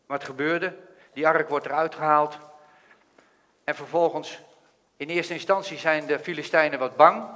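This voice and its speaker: Man preaching on a bible passage, bright, a bit high, long echo trailing off. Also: fairly even intonation. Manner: earnest, thoughtful, pauses and restarts. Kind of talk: Bible reading and exposition. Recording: long hall reverb.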